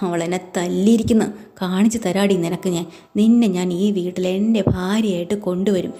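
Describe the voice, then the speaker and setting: A man's voice: high-pitched, fairly even intonation, fairly quick, dark tone, a little hiss or hum. A woman doing a sly young man in a temper. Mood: furious. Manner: defensive denials, then bitter threats.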